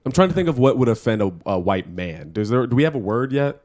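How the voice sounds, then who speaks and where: A man's voice: medium pitch, very animated, quick pace, darkish tone. A man co-hosting a casual podcast, asking blunt, short questions. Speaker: podcast co-host. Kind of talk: casual banter over drinks.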